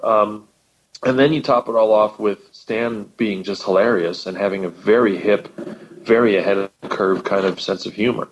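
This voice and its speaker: A man's voice: lowish voice, steady tone, moderate pace, dull audio, a little hiss or hum. A man chatting on a podcast as guest co-host, talking with eager enthusiasm and often repeating words as he goes. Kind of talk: casual podcast conversation.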